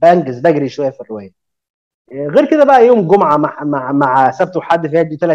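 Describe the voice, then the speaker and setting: A man talks at a fairly quick pace with lively intonation. His voice is fairly high in pitch, with a dark, mellow tone. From Minya, Egypt. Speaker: author and novelist. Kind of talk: casual interview conversation.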